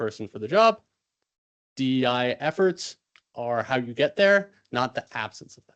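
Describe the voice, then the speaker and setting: A man with an American accent and a normal speaking voice speaks at a medium pitch with lively intonation against a quiet background. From United States. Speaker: social psychologist, panel speaker. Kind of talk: panel discussion. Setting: in-person event with audience.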